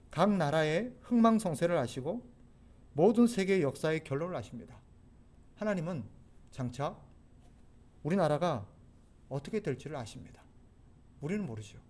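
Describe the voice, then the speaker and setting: High-voiced Korean pastor preaching earnestly. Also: male voice, a little mellow. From South Korea. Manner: earnest preaching, rising to pleading urgency. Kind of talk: sermon.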